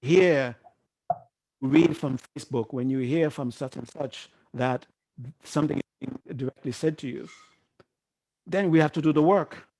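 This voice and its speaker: A man giving a meditation teacher's talk on a call, halting and repeating words, while his faulty mic makes the volume rise and drop. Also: a little high, vocal fry, darkish tone, slightly rough, no echo, poor audio. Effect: uneven volume from a cutting-out mic. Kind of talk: live dharma talk on a video call.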